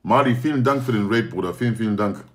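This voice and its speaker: A man's voice: fairly low pitch, fast, slight background noise. A young man talking casually to viewers on a livestream, slangy and joking, often swearing oaths. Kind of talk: casual stream chat.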